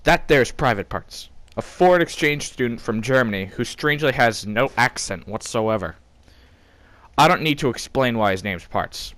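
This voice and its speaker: A man's voice: medium pitch, lively intonation, normal speed, a bit bright, no room sound. Man telling a comic story, dry sound. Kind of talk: informal comedic storytelling.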